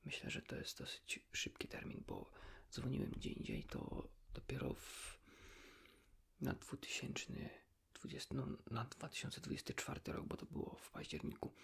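A man chats casually in ASMR style, as if confiding in a friend. His voice is mostly whispered and very husky, breaking into a deep crackly fry. The delivery is informal storytelling with a lively rise and fall. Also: moderate pace. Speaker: ASMR video host.

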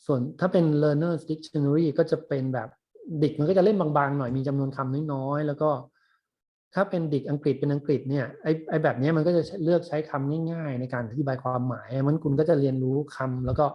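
A man's voice: a little high, fairly even intonation, fairly quick, muffled recording. A man in his forties teaching an online university class, explaining in a casual, rambling way with many fillers. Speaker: university lecturer.

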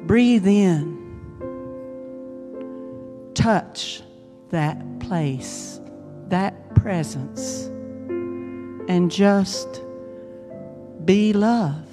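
Very slow, mellow woman guiding meditation. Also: lowish voice. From United States. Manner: hushed, soothing, deliberate phrasing with long pauses. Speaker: minister leading a guided meditation. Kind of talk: guided meditation. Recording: long reverb, music behind. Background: instrumental meditation music.

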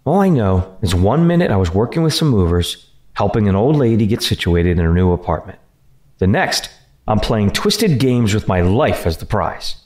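A man's voice: lowish voice, big pitch swings, normal speed, a little mellow, dry recording, studio quality. An actor playing a working man trapped in deadly games, telling his story in tense, determined first-person narration. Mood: wary.

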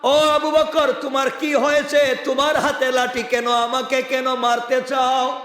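A man's voice: very high-pitched, little pitch movement, a little slow, fairly bright tone. A man preaching in the voice of a talking snake that pleads its innocence, in a chanted, questioning way. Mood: pleading. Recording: echoey hall with long reverb.

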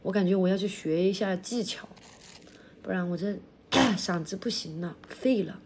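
A woman hosting a livestream, chatting casually with viewers between songs, her throat feeling blocked and a little hoarse. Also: medium pitch, darkish tone, a little hiss or hum. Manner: sings then chats quickly to viewers, self-deprecating. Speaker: livestream host. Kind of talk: casual livestream chat and singing.

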